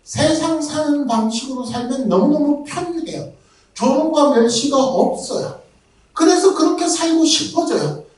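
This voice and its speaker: Male pastor, lively sermon delivery, heard distantly in a very echoey sanctuary. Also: extremely high pitch, unhurried. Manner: animated, acts out mocking voices. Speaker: guest pastor. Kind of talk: revival meeting sermon. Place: church sanctuary. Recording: very echoey church from afar.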